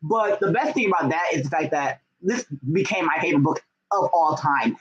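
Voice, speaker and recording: A young man hosts a casual livestream about books in a fairly high voice. He talks in a gushing, excitable way, with lots of slang. The sound is a bit dull and lo-fi. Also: moderate pace. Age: young adult. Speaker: book vlogger and writer hosting a livestream. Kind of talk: casual, chatty livestream talk.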